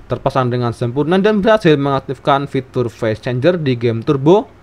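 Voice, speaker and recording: A man reading a step-by-step phone tutorial as a scripted voice-over, in a steady instructional way. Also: medium pitch, moderate pace. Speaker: tech tutorial narrator. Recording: voice-over with faint background music.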